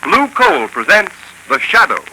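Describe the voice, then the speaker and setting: An emphatic male announcer reads a 1930s radio sponsor spot and program intro. His voice is very bright and rises and falls a lot, slightly raised in pitch. Faint hiss of an old broadcast recording runs behind him. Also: sing-song, unhurried, rough recording. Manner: emphatic, declamatory.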